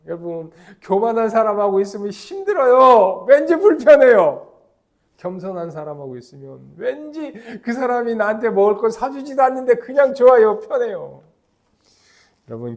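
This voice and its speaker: A middle-aged pastor with a high-pitched voice preaches a sermon emphatically and with lively energy, leading his congregation in call-and-response chants.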